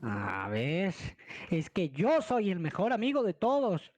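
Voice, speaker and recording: A man's voice: high voice, wildly swooping pitch, takes it slowly, a little mellow, highs cut off. A man improvising casual game roleplay, theatrical and given to repeating himself. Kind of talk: casual roleplay chat while gaming.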